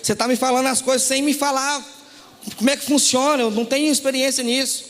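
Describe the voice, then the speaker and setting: A high-pitched man from Brazil gives a testimony from the pulpit, acting out the voices in his story. He keeps turning to the congregation with "dear". His voice rings out in a long church-hall reverb. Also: fairly even intonation, fast, a bit bright, a little hiss or hum. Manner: storytelling, acts out dialogue, calls listeners "querido". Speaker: church speaker giving testimony. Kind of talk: sermon testimony.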